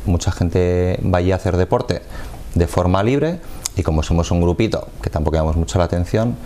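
A man, a football coach explaining his sport in a measured way during a TV studio interview on a lapel mic. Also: sits low, mellow, slight background noise. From Madrid, Spain. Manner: measured, explanatory, gestures with hands.

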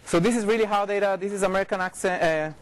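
A middle-aged man with an Israeli accent speaks in a notably high register for a male voice. He lectures informally, restarting phrases and correcting himself as he explains. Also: poor audio. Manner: informal, halting, frequent repetitions and self-corrections. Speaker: researcher giving a lecture. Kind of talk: academic talk with slides. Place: lecture room, indoors.

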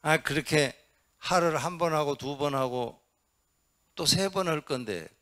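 Lively monk coaxing his audience. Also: fairly high pitch, measured pace. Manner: lively, quizzes and coaxes the audience, acts out shouts. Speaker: Buddhist monk giving a dharma talk. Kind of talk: interactive sermon. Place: Buddhist hall.

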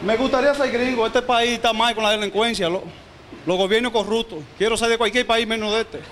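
A man with a Dominican accent complaining forcefully to a street reporter, speaking into a handheld mic. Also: very high voice, fairly even intonation, fairly quick. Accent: Dominican Spanish. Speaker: passer-by interviewee. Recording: noisy street background.

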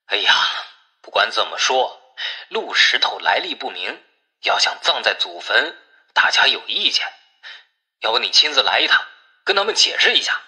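An anxious village kinsman on a filtered phone call, performed by a male narrator. His tone is very bright and tense, at a middling pitch. He pleads and sighs with resignation in this audiobook drama. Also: big pitch swings, normal speed, long pauses, heavily acted. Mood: resigned. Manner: pleading, sighing.

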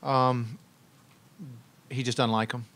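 Halting middle-aged coach at press table. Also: male voice, medium pitch, level tone, a bit bright, slight background noise. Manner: halting, many restarts and ums, thoughtful. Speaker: head basketball coach. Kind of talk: postgame press conference. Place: press room with logo backdrop, seated at table. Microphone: table mic on stand.

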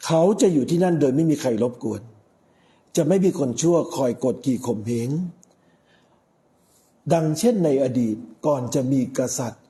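Casting: middle-aged male priest, very dark mellow tone, unhurried sermon delivery with pauses. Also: on the high side, expressive. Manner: measured, with frequent pauses. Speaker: Catholic priest.

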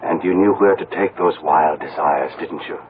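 An actor playing a superstitious young gypsy lover from Transylvania in a radio drama. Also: male voice, a bass voice, normal speed, noisy background. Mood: tender. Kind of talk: 1970s radio drama acting. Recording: muffled, tinny old radio broadcast.

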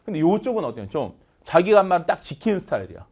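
Man, English teacher, online lecture, animated, chanted drills, high-ish voice. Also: very fast, slightly rough.

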